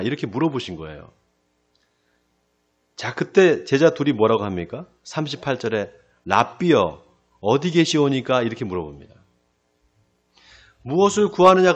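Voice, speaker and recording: A male pastor giving a sermon. He asks the congregation questions and answers them himself, slows down to stress key phrases, and often drops to a quiet close. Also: medium pitch, muffled recording. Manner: lively preaching, rising then dropping to a quiet close. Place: church sanctuary.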